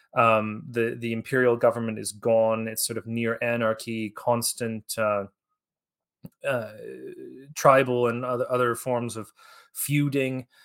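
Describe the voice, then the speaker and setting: With a Canadian accent, a man talks at a fairly slow pace in a monotone, flat intonation, leaving long, frequent pauses. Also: medium pitch for a man. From Canada. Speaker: historian and author. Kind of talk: interview. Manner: halting, many repetitions and fillers.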